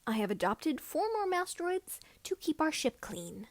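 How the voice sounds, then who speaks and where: A woman's voice: sits high, sing-song, unhurried, dry recording, pitched above the performer's own voice. A woman voicing an earnest, cheeky young male pilot in a fan fiction reading. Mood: wry, cheeky. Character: earnest, bewildered farm boy turned cheeky young pilot.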